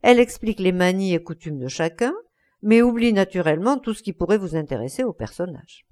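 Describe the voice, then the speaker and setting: A woman's voice: lowish voice, animated, fairly quick, darkish tone, natural voice. A woman reading aloud voicing a sincere young painter, speaking thoughtfully and earnestly.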